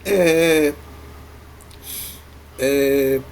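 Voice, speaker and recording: Man, Brazilian Portuguese accent, teacher, halting lecture, high voice, unhurried. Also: creaky, a little mellow, a little hiss or hum. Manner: halting, many fillers and restarts. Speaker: university Greek teacher. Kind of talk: classroom lecture.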